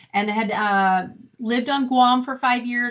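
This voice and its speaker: A woman speaks with a Californian accent. Her intonation stays fairly even. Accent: General American (California). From Northern California, Sonoma County. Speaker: veteran Marine and military journalist. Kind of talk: interview.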